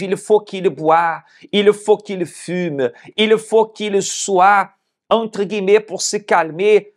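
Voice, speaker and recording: A man with a high voice preaches at an unhurried pace, speaking straight to his listeners as host of a religious broadcast. He hammers his points home by repeating phrases, slowing down to lean on each one. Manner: emphatic, repeats phrases for weight. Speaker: pastor hosting a religious broadcast. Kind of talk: preaching appeal to viewers.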